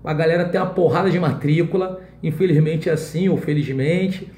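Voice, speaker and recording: A man's voice: on the high side, fairly quick, warm tone, echoey room. A man teaching an exam-prep class in Brazilian Portuguese in a casual way, often checking in with his students.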